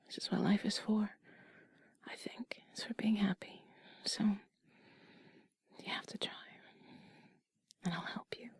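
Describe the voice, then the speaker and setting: A woman voicing a tender, affectionate partner in a whispered role-play, breathy, gentle, intimate and reassuring. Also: medium pitch, flat delivery, slow pace, long pauses, dry recording, exaggerated voice. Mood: soothing, tender. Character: tender affectionate female partner comforting a loved one.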